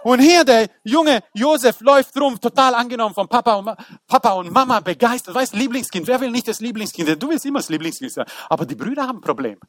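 A man's voice: very high-pitched, fast talker, no echo, clean studio sound. A man preaching a casual, slangy sermon and telling stories with acted-out voices, talking straight to his listeners. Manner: animated storytelling with acted-out voices; informal, slangy, talks to the listeners directly.

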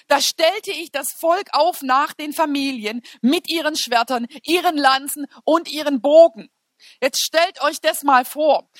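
A woman preacher giving an informal, humorous sermon in an animated, colloquial storytelling manner. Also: high voice, no room sound, studio quality.

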